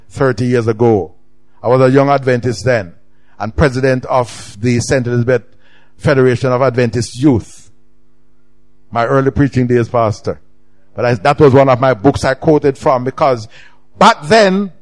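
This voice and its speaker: A middle-aged man with a Jamaican accent, preaching a sermon with emphatic swings in pitch and loudness. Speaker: pastor.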